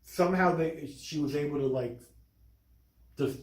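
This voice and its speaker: A man talking casually about a film as a podcast co-host, emphatic and halting with restarts. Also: on the high side. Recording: echoey, roomy recording.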